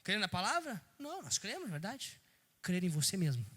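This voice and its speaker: A man preaching a fervent sermon in a church, swinging from shouted peaks to low asides and crying out hallelujah. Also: huge pitch swings, fairly quick, noisy background. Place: church service. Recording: long reverb of a church hall.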